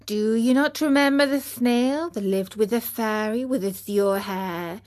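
A woman voicing a calm female snail who speaks slowly and softly. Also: fairly high pitch, natural voice. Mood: gentle. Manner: slow, calm, hushed.

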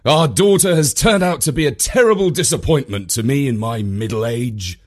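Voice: mid-range voice, animated, normal speed, darkish tone, close to an everyday voice. A storyteller voicing a pompous, gloomy middle-aged father speaking mock-solemnly.

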